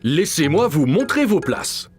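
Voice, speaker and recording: A cheerful cartoon flight attendant, welcoming and helpful. Her voice is low yet lively in pitch, with clear music running behind it. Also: measured pace. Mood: friendly.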